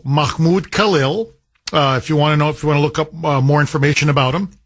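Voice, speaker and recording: A man's voice: on the high side, a bit bright, no room sound. A man hosting a talk radio show, taking callers and delivering emphatic commentary with repeated words.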